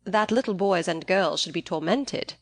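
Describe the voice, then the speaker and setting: A woman voicing a witty young gentleman in an audiobook, playfully mock-serious and pedantic with formal phrasing. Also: on the low side, moderate pace. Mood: dryly formal.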